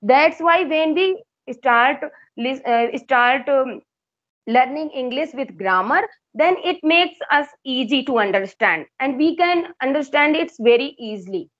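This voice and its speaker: A woman's voice: sits high, animated, a little slow, fairly bright tone, muffled recording. Hindi-speaking Indian woman, hesitant English. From Uttar Pradesh, India. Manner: hesitant, many fillers and restarts. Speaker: English tutor. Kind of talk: casual English conversation practice.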